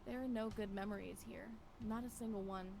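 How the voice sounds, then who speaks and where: A woman playing a lonely, regretful wife in a visual novel, wistful and brooding, with deliberate phrasing. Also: medium pitch, fairly even intonation, lightly acted. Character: Violet, lonely regretful wife wandering a forest. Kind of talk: scripted visual novel monologue. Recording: clearly noisy, with ambience behind.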